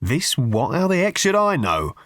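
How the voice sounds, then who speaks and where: A man's voice: fairly high pitch, wildly swooping pitch, a little slow, fairly bright tone, no echo, studio quality, voice pushed up, exaggerated voice. A man doing a blunt, impatient brother, raised voice. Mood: exasperated. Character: brusque, dismissive adult man, a fed-up brother.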